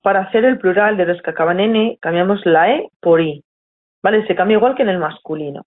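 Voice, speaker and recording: Una profesora con acento de España explica con paciencia a sus alumnos, les pregunta a menudo si lo siguen y se corrige a media frase. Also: female voice, medium pitch, brisk. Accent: Spain Spanish. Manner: patient, checks in often, corrects herself mid-sentence. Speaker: teacher. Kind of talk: explanatory lesson to students. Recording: tinny phone-like audio.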